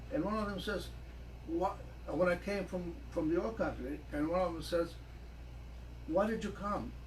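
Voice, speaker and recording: Through noticeable background noise, a man with a Greek accent speaks at a fairly slow pace. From Greece. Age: 80s+. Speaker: author. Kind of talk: interview answer. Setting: studio.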